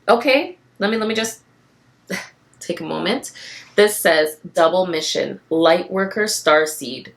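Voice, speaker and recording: Woman, low gravelly voice, tired rasp; passionate, encouraging tarot reader talking to camera. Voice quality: raspy from tiredness. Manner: passionate, encouraging, repeats phrases for emphasis. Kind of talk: casual spiritual card reading to camera.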